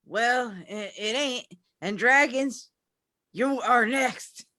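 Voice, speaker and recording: A woman's voice: fairly high pitch, takes it slowly, sharp tone, dry recording. A woman reading a wrestler's trash talk in an amateur staged reading.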